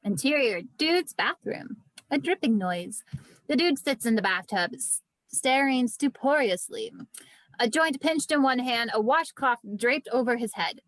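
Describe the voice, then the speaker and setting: Woman narrator, higher-pitched and dry-recorded. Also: fairly bright tone, dry recording, low-quality recording. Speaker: narrator reading stage directions. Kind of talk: scripted narration at amateur table read.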